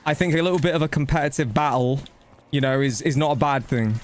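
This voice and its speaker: A man's voice: a little high, fast talker. A man giving casual live gameplay commentary and chatting to viewers, blunt, slangy and matey, with some swearing. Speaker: video game streamer.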